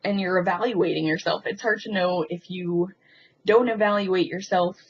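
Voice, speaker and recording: A woman talking in a casual, rambling confessional vlog, hesitant and halting as she thinks aloud with frequent ums. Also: on the low side, steady tone, husky. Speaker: video blogger. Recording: muffled lo-fi sound with faint background noise.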